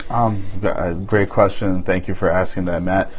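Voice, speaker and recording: A young man with a bass voice, talking as a guest on a livestream in an earnest, halting way with many fillers. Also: steady tone, slight background noise. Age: young adult. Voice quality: bass in his voice. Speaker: guest, insurance agent. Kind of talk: casual interview talk.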